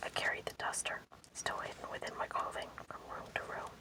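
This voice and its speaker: A woman whispers in a soothing tone at a moderate pace, with noticeable background noise behind her. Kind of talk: ASMR magazine and short story reading. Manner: whispered, soft-spoken, soothing.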